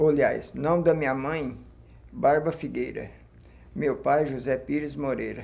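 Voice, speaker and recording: Fairly slow male speech carrying audible echo from the room. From Brazil, Minas Gerais (Triângulo Mineiro, Monte Alegre area). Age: 60s. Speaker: life-story interviewee. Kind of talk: oral history interview.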